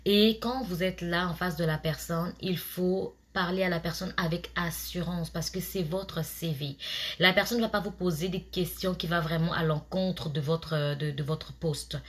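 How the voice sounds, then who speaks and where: A woman in her thirties talks straight to her followers in a low, husky voice, offering tips from her own working life. Her delivery is relaxed and chatty, full of fillers and little restarts. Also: normal speed. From immigrant to Canada. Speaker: vlogger giving job interview tips. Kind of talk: casual advice talk to camera.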